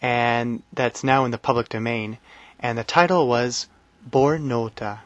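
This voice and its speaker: A man hosting a language-learning podcast in a relaxed, friendly way. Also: medium pitch, measured pace, no echo, lo-fi sound. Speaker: podcast host. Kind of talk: casual podcast talk.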